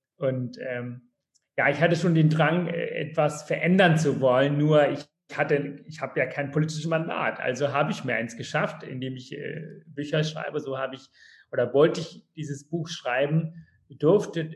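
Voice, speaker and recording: A man speaks at a moderate pace in a fairly high pitch, somewhat breathy. His intonation stays fairly even while his loudness swings widely. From Sri Lanka, moved to Germany as a child. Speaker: heart surgeon and book author. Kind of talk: interview. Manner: hesitant, many fillers.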